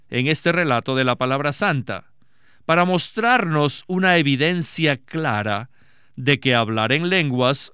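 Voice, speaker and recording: A man giving a scripted Bible exposition as a teacher, reading in a measured, emphatic way. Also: a little high, a bit bright, clear, resonant tone, no echo, clean studio sound.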